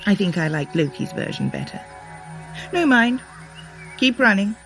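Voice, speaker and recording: A woman's voice: mid-range voice, sing-song, measured pace, fairly bright tone, soft background music. An actress playing a solemn, commanding Norse goddess in an audio drama, formal and authoritative as she gives instructions. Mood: instructing. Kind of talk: scripted audio drama acting.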